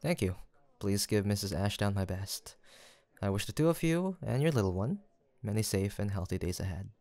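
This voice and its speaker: A man playing a gentle, kindly young village apothecary in a soft roleplay audio drama, speaking politely and formally with attentive reassurance. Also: on the low side, big pitch swings, normal speed. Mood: warm, courteous.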